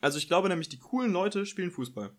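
Young male podcast co-host, rapid joking delivery, voice a bit on the high side. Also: lively intonation. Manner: quick, joking, teasing. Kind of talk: casual chat.

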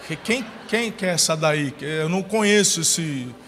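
A man's voice: fairly high pitch, animated, moderate pace, fairly bright tone, faint music behind. Man, pastor, sermon, anecdotes with acted-out voices, long hall reverb. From Brazil. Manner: storytelling with acted-out quotes. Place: church hall.

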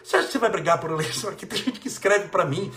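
Brazilian man, politician doing a motivational faith talk; high, very lively delivery, emphatic repetition. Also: rapid-fire, slight background noise. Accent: Brazilian Portuguese. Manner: emphatic, repeats phrases for stress, chuckles. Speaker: politician giving life advice.

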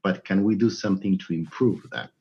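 A man's voice: low voice, brisk, dull audio. A man from Argentina, answering interview questions thoughtfully and often repeating words as he goes. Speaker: guest neurologist.

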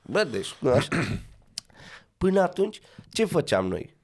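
A man with a Romanian accent, a rally co-driver and actor, chatting casually as a podcast guest, animated and slangy, laughing often. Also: a little high, husky.

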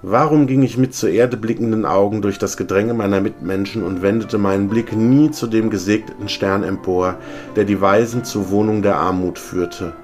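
A man voicing the tormented, chained ghost of an old business partner, speaking gravely and lamenting. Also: on the low side, steady tone, moderate pace, darkish tone, soft background music, natural voice. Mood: mournful.

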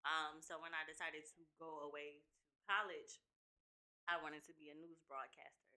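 A woman's voice: deep voice, flat delivery, moderate pace, bright, forceful tone. A woman with an African American Detroit accent chatting casually as a podcast guest, playful and slangy in her manner. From Detroit, Michigan, USA. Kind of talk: casual interview chat.

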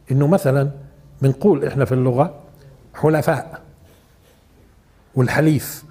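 Older male Quran teacher, high pitch, conversational lecturing. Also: darkish tone. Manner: conversational, asks the audience questions. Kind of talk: informal religious lesson.

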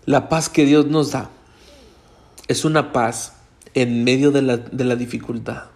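A man's voice: mid-range voice, fairly even intonation, a little slow, darkish tone. A Hispanic man, a pastor, preaching an earnest sermon straight to his congregation. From Latin America. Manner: earnest, direct address to congregation.

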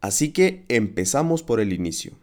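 A man hosting a podcast lesson as a Spanish teacher, speaking in a clear, encouraging, teacherly way. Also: mid-range voice, very animated, normal speed, a little mellow.

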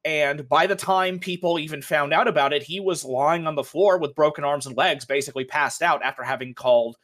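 A young man talks loosely about tabletop role-playing, sitting a little higher than most men in pitch. He wanders through a long anecdote, filling gaps with ums, likes and the occasional swear. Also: fairly quick, a bit bright. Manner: rambling storytelling with many fillers and swearing. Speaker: podcast co-host, game master. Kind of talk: casual chat about tabletop games.

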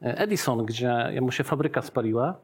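A man's voice: mid-range voice, expressive, moderate pace, breathy edge. A middle-aged man, a business owner, talking in a casual interview and explaining with examples, often checking in with "tak?".

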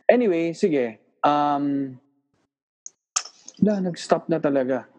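A man's voice: a little high, lively intonation, takes it slowly, a little mellow. A man hosting a casual interview over a video call, joking and teasing his guest in an easygoing way. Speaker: podcast host.

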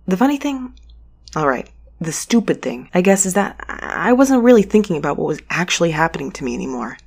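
Woman playing a husky, stubborn space courier. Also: fairly low pitch, big pitch swings, a little mellow, heavily acted. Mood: wry, confiding. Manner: conversational, halting, wry. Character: anxious, stubborn young space courier, sharp-tongued and curious. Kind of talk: audio drama acting with confiding narration.

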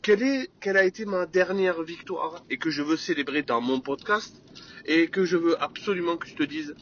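A man's voice: on the high side, normal speed. A man with a somewhat raised voice chats energetically through his solo podcast, full of fillers and English sales buzzwords. The recording sounds dull and lo-fi, with a faint hiss underneath. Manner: energetic, chatty, many fillers, sprinkles English sales jargon. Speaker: podcast host. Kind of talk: casual solo podcast monologue.

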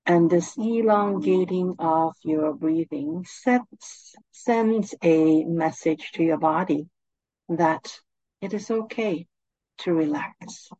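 A woman leading a guided meditation, speaking in a calm, soothing, gently instructing manner. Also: fairly low pitch, slow pace, dry recording, dull audio.

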